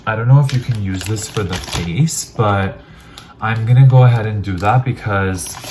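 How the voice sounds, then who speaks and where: Chatty low-voiced man unboxing. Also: background noise. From Armenian heritage. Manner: chatty, rambling, self-deprecating. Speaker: vlogger. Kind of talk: casual unboxing chat.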